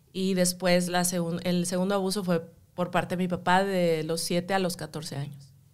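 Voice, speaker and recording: At a moderate pace, a woman talks with a flat, monotone intonation. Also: fairly low pitch for a woman. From Monterrey, northern Mexico; Mexico. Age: 30s. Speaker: adult content creator; podcast guest. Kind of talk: interview; interview answer. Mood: serious, personal storytelling. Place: studio. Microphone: studio mic.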